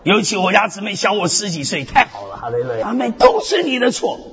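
This male preacher, a North America resident, has a high, gravelly voice and a quick pace as he delivers a lively sermon full of humor, self-deprecating tales and call-and-response hallelujahs. Long reverb fills the dull-sounding hall.

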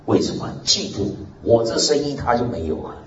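Loud animated man preaching a sermon. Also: mid-range voice, a little fast. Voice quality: loud, strong voice. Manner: animated preaching punctuated by frequent "amen" and "hallelujah", with laughter. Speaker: pastor. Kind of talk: lively Mandarin sermon. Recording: roomy, muffled recording with faint hiss.

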